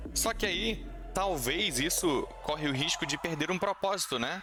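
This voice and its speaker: A man is speaking. Background noise is noticeable. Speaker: tabletop RPG game designer. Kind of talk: tutorial.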